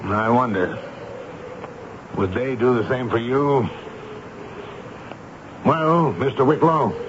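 An actor playing a stern, sardonic army major who interrogates and narrates in a formal, commanding way in a radio drama. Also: male voice, mid-range voice, takes it slowly, background noise, close to an everyday voice. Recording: dull radio broadcast recording, loud music behind.

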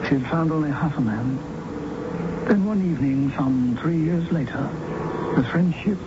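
An actor serving as the matter-of-fact narrator of a 1970s radio drama, speaking in measured, deliberate phrases. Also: male voice, fairly high pitch, lightly acted. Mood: measured, solemn. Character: radio play narrator, matter-of-fact, recounting a woman's life. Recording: muffled, noisy 1970s radio recording.

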